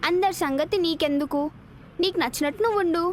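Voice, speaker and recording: A woman's voice: very high voice, fast talker, a little hiss or hum. A woman playing a friendly coworker in a comedy sketch, teasing her friend and then giving him advice.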